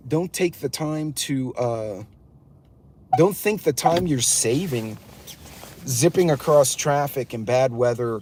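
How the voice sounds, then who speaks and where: A man's voice: medium pitch, a little mellow, a little hiss or hum. A man hosting a live driving vlog from his pickup truck, giving blunt, ranting road-safety advice to his chat viewers. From West Texas. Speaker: prepper channel host.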